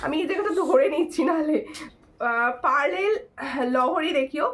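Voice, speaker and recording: Hoarse woman pitching jewelry live. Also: normal speed, fairly bright tone, a little hiss or hum. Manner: chatty and repetitive, thanking viewers and urging screenshots. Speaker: jewelry seller hosting a live sale. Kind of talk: live-stream sales pitch.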